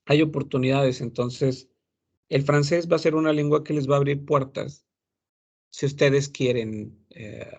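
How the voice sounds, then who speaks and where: A man teaching a class, explaining slowly and repeating example phrases aloud. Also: mid-range voice, steady tone, a little mellow, highs cut off. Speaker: French teacher for gastronomy students. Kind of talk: classroom lecture.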